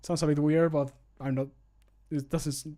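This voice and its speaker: A man in his thirties with a fairly high, mellow voice talks at normal speed with a flat delivery on a livestream, recording mod voice lines. Close to a desk microphone in a small home room with a computer, he chats casually and playfully and rambles as he works.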